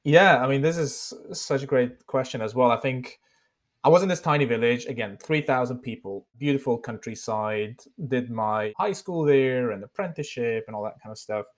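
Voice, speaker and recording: A reflective man in his thirties from Switzerland, whose first language is Bosnian, talks as a podcast guest. His pitch sits in a middle range, and he loops back and restarts as he thinks aloud. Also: moderate pace. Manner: reflective, many fillers and restarts. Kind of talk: casual interview chat.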